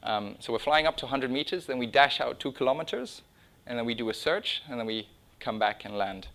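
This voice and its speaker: A middle-aged man presents to a room in an informal, conversational way. His voice sits at a medium pitch, and he often breaks off and rephrases as he explains his work. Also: expressive, fairly quick, creaky, a bit bright. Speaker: speaker presenting his own drone project. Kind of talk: informal conference-style talk with slides. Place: indoor meeting room or small lecture room.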